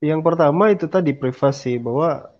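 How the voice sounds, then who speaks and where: A man is speaking. His pace is moderate. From Makassar, Sulawesi, eastern Indonesia. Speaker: Islamic preacher and debater. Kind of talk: casual interview.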